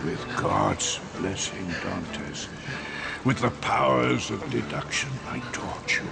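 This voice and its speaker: A gravelly old priest's ghost. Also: male voice, fairly low pitch, animated, slow pace, loud music behind the voice, exaggerated voice. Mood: solemn. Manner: commanding, urgent, drops to whispers. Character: ghost of an old male priest, solemn mentor. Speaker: the Abbe. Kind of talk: radio drama acting.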